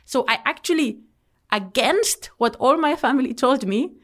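A woman's voice: high voice, expressive, normal speed, fairly bright tone. A woman in her thirties from Spain with a Spanish accent, a company founder telling her story as a podcast guest, eager and full of restarts. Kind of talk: podcast interview. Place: studio.

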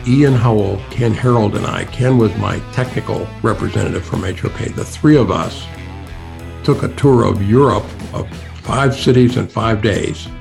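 A man's voice: lowish voice, normal speed, vocal fry. A man, a former firm chief, recounting past business events in a plain, matter-of-fact way. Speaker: former architecture firm CEO, podcast co-host. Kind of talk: recalling past events in a clip. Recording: clip with music underneath.

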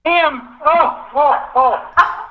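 A man's voice: extremely high pitch, drawn-out words. Man in his 80s, speakerphone held away from the mouth, faint and distant, hesitant short answers, dull muffled line. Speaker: father interviewed by phone. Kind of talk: phone interview.

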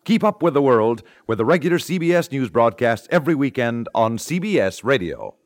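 A man announcing on 1950s network radio, reading a script in a polished, measured manner. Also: mid-range voice, very animated.

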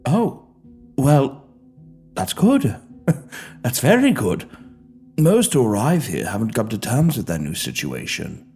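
A man voicing a courteous, amicable elderly gentleman who greets the newly dead in an audio story, with a gentle and soothing manner. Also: medium pitch, wildly swooping pitch, slow pace, pauses often, faint music behind, heavily acted. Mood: reassuring. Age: older.

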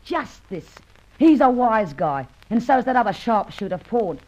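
A woman's voice: a little high, big pitch swings, unhurried, a little mellow. A woman playing a bossy, scornful female jewel thief in an old radio crime drama, talking in snappish, tough slang. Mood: wary, bossy. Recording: dull, muffled old radio recording.

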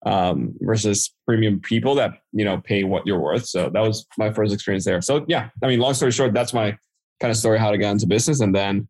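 Brisk and darkish in tone, with a lowish voice, a podcast guest from the Dominican Republic shares his story casually. A native Spanish speaker with a Dominican accent, he works as a marketing entrepreneur.

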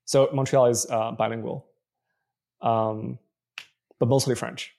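A man's voice: medium pitch, flat delivery, slow pace, vocal fry, a little mellow. A man from Canada whose first language is Chinese, answering interview questions thoughtfully as a venture investor guest. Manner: thoughtful, frequent fillers and restarts.

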